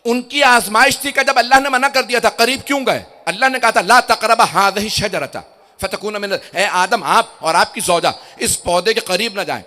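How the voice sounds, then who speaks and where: A man preaching an impassioned sermon to a gathering, dropping to quiet asides and then building to loud, drawn-out shouted climaxes. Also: high-pitched. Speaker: Shia cleric giving a religious lecture. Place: gathering before a crowd.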